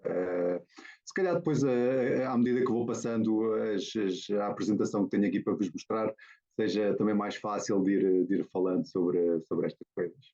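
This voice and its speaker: A lowish, dark-toned man speaking with a European Portuguese accent. He talks his way through a slide presentation, stopping and restarting often as he goes. The sound is dull and lo-fi, like a video call. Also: moderate pace. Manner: hesitant, many fillers and restarts. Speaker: guest photographer.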